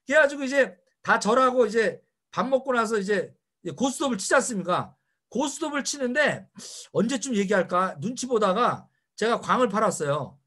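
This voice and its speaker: A man's voice: very high voice, lively intonation, moderate pace, a bit bright. A middle-aged man giving a motivational seminar lecture, firing rhetorical questions at his audience. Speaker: seminar speaker.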